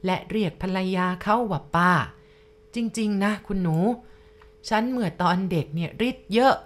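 A woman telling a first-person ghost story at a slow, confiding pace, speaking straight to the listener. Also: medium pitch.

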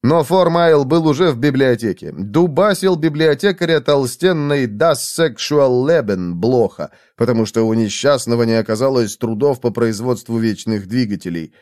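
A man narrating an audiobook in a lively, expressive way. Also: mid-range voice, moderate pace, few pauses, dry recording, clean studio sound.

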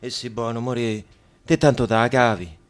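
An actor playing a cajoling, streetwise Jewish prisoner with a Roman accent in a radio drama. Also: male voice, medium pitch, normal speed, natural voice. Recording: music behind the dialogue.

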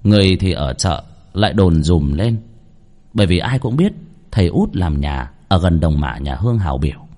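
Male storyteller for a ghost tale: husky, highly animated, dramatic. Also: normal speed.

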